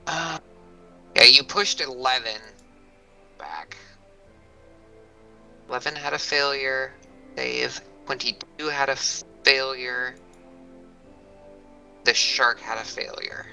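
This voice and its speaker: A man running an online tabletop game as game master, halting and thinking aloud as he goes. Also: mid-range voice, fairly even intonation, gravelly, pushed and bright, soft background music.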